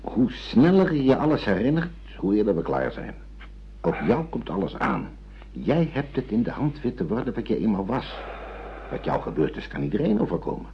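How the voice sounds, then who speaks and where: A man's voice: fairly low pitch, huge pitch swings, normal speed, slight background noise. An actor playing a stern, patient old father who questions and lectures insistently in a radio drama. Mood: coaxing, firm. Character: stern, patient old father re-educating his grown son. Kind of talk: Dutch radio drama acting. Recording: dull, muffled radio play recording.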